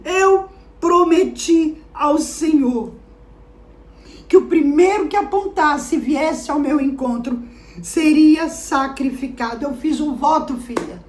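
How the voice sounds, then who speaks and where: A woman preacher voicing an anguished father who speaks slowly and heavily in despair. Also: high-pitched, reverberant, a little hiss or hum. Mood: grieving. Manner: slow, heavy, despairing. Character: anguished father, a grieving war commander.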